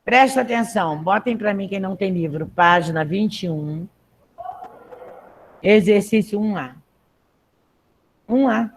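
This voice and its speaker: A woman's voice: medium pitch, unhurried, long pauses. A woman teaching a Portuguese class, reading a text aloud and patiently explaining spelling rules to her students. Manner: patient, checks in with frequent "tá?". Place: classroom with students in the room and at home.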